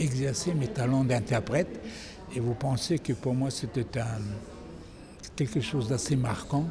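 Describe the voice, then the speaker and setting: Noticeable background noise accompanies speech whose pitch varies in an ordinary way. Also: man. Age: 80s+. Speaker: war veteran. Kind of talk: testimony. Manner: halting.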